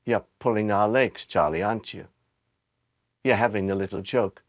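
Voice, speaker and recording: A man voicing a very old grandfather who talks softly and then whoops with glee. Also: on the low side, moderate pace, no echo, clean studio sound, pitched below the performer's own voice, natural voice. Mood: doubtful. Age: 60s+ figure. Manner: soft and doubting, then whooping. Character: ancient frail old grandfather, gleeful.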